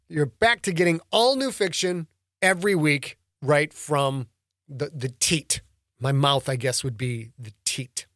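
A man's voice: a little high, a bit bright, no room sound, clean studio sound. A man hosting and narrating his own podcast in a playful, theatrical way. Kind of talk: dramatic story reading and casual podcast talk.

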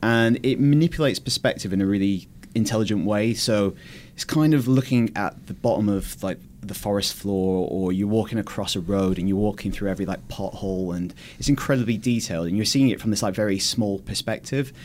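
A man's voice: fairly low pitch, a little fast, darkish tone, slight background noise. A British man chatting casually about video games as a podcast guest, explaining things in a thoughtful way. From United Kingdom. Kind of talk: casual game discussion.

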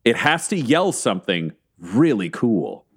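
Game master, male, lively and playful delivery, swoops up and down. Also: mid-range voice, a little slow, breathy edge. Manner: playful, laughs often. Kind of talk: narrating a tabletop game.

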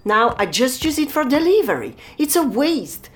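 A woman's voice: high voice, big pitch swings, moderate pace, faint music behind. A woman playing a kindly older baker lady who fusses over her guests, speaking. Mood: fussing. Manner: fussing, warm-hearted, broken English. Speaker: bakery owner. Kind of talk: audio drama acting.

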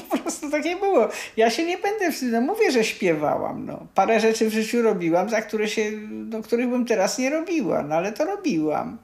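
An older woman reminiscing casually, plain-spoken and unapologetic, with some halting phrases. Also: a little high, big pitch swings, vocal fry, darkish tone. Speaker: interviewee, former youth group member.

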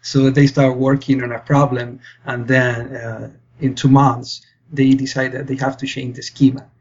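A man's voice: mid-range voice, flat delivery, moderate pace, darkish tone, dull audio. A young man from Spain, a PhD student, explaining his work earnestly as a podcast guest. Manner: earnest, explains with many fillers and restarts. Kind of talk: interview answers.

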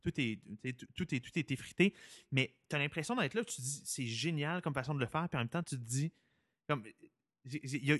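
A man's voice: a little high, dry recording, studio quality. A man with a Québécois French accent hosting an interview, casual and prone to stammering repeats. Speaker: interviewer host.

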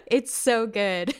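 Chatty woman co-host, smooth voice. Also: a little high. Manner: chatty, giggly. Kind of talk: casual podcast interview.

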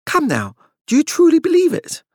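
A man voicing a chattering upper-class gentleman with hearty, grating cheer in a story reading. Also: very high-pitched, huge pitch swings, normal speed, no echo, clean studio sound, pitched above the performer's own voice, exaggerated voice. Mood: forced cheer.

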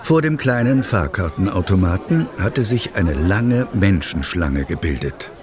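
A man's voice: deep voice, lively intonation, measured pace, crowd noise. A man narrating a children's audio play in a scripted storytelling style. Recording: music behind the voice.

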